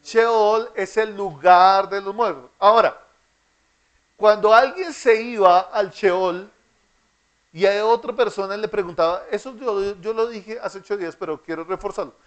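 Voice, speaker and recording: A man teaches a Bible class in a fairly high voice. He speaks slowly and deliberately. He keeps the room involved by asking questions and having the class repeat key phrases after him. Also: smooth. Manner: asks the class questions and has them repeat; slow, deliberate delivery.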